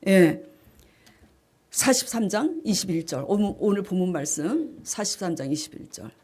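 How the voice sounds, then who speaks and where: A woman pastor giving a sermon. She asks her congregation questions and answers them herself, and she reads scripture in a hushed, slower voice. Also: very animated, slightly rough. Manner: rises in pitch and volume on key phrases. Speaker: senior pastor.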